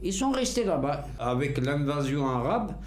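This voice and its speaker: Older man, slow and emphatic. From North Africa. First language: Kabyle Berber. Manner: slow, emphatic and outspoken, with lively pitch swings. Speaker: interviewee. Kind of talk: unscripted conversation. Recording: echoey room.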